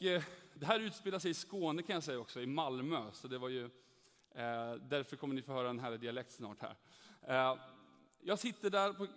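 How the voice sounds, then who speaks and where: An earnest young man tells a personal faith testimony and acts out the voices in his story. His voice sits fairly high. It rings with the long reverb of a hall. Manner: earnest, animated, acts out dialogue. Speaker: speaker giving a testimony.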